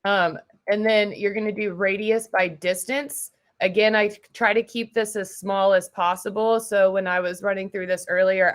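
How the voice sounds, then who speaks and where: A woman trainer explaining software steps in an informal, explanatory way, as in a casual tutorial for agents. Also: mid-range voice. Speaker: trainer for real estate agents.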